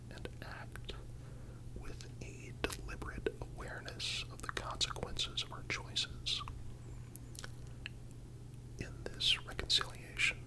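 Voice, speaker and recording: Slow, hushed ASMR whisperer. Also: rough recording. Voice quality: breathy, unvoiced whisper. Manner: soothing, measured, deliberate. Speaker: ASMR narrator. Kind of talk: scripted philosophical ASMR narration.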